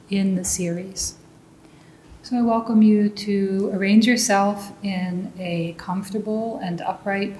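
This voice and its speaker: A woman leading a guided meditation as a teacher, giving calm, gentle instructions. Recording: roomy echo, faint low rumbling noise.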